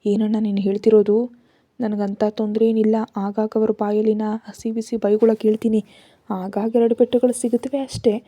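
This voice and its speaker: Woman doing young wife in a story, pleading n teasing, husky low-key voice, dry sound. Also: flat delivery, moderate pace, mellow, no room sound, close to an everyday voice. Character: frightened young woman pleading for her brother.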